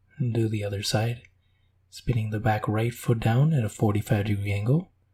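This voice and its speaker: A man speaks in a calm, somewhat breathy voice with a dark, mellow tone and a medium pitch. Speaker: yoga instructor. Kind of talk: guided yoga class voiceover. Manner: slow, calm.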